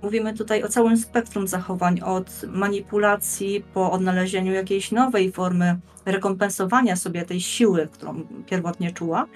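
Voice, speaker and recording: A woman's voice: mid-range voice, fairly even intonation, moderate pace, few pauses. A young woman, a podcast guest presenting prepared ideas in articulate, formal phrasing. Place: indoors, plain-walled room on video call. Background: faint music.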